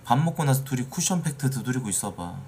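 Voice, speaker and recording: A man's voice: medium pitch, sing-song, fast talker, darkish tone, a little hiss or hum. A man in his late thirties chatting casually on a live stream, bluntly teasing and swearing at his viewers from a small green-screen room. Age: 30s. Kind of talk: casual live-stream chat reacting to videos.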